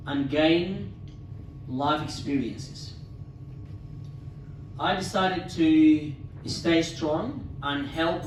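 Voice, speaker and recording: A man from Somalia in his thirties, giving a prepared, formal talk as a guest speaker at a club dinner, with measured delivery and occasional restarts. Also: fairly high pitch, recorded from a distance, slight background noise. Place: club meeting room. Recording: echoey hall, speaker away from mic.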